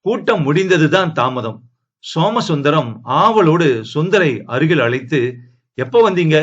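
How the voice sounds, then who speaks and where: A man reading a family novel aloud in a steady, measured storytelling voice. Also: a little high. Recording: dull lo-fi audio.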